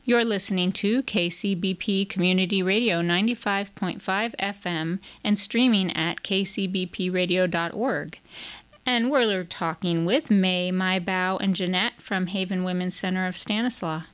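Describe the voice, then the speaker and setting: A woman's voice: on the low side, normal speed. A woman hosting an interview on community radio.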